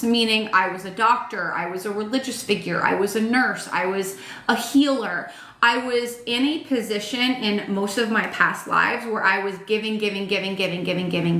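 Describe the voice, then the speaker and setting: A tarot reader in her thirties gives a casual reading, speaking frankly, swearing, and using lots of "like" and "um." Her medium-pitched voice is pushed and bright but tired and starting to crack, and the recording sounds roomy.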